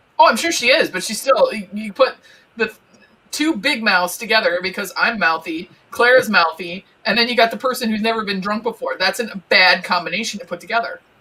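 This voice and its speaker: Loud and bright with a sharp tone, a woman speaks fairly quickly at a fairly high pitch with ordinary pitch variation. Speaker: quiz contestant. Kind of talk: casual chat.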